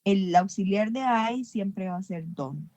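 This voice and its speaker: A woman's voice: medium pitch, lively intonation, slow, warm tone. A woman teaching an English grammar class online, explaining patiently and often checking understanding.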